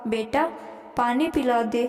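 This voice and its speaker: Woman as gentle aging mother, high voice, echoey room. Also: slow. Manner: gentle, pleading. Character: aging mother, patient and soft-spoken. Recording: echoey room with long reverb.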